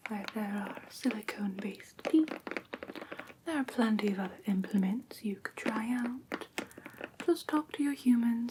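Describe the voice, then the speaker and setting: A gentle female vampire instructor, played by a woman, whispers a pet care lesson in an ASMR roleplay. Her breathy whisper is very slow and patient, pitched a little high. It sits close to the mic over faint noise and soft clicks. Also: natural voice. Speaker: host of a roleplay class, as instructor.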